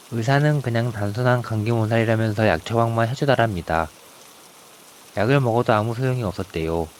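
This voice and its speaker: Man, hushed suspenseful horror narration, medium-pitched voice, scripted storytelling, rain noise in the background. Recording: rain ambience noise behind voice.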